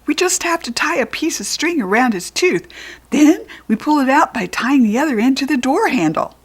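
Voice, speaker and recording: A woman voicing a small, bossy male goblin who squawks in a high, loud voice. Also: lively intonation, moderate pace.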